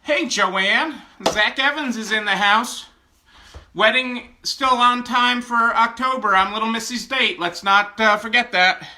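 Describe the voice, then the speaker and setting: A man from upstate New York hosts a casual livestream, calling out viewers one by one with a playful, joking manner. His voice sounds very bright and sharp, with a faint hiss of noise behind it. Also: very high voice, fairly even intonation, a little slow. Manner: playful, jokey, reads out viewer names. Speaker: livestream host. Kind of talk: casual live chat greeting viewers.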